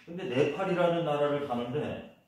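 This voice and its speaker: A man's voice: fairly high pitch, moderate pace, darkish tone. A man preaching a sermon as a pastor, telling a personal story and leading the congregation in repetition. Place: church. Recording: echoey church hall, voice from a distance.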